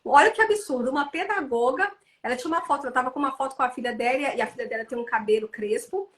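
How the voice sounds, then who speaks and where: A Brazilian woman in her thirties, a children's author, telling stories with animated indignation in a casual interview. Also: high voice, racing. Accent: Brazilian Portuguese. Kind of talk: casual interview over a live stream.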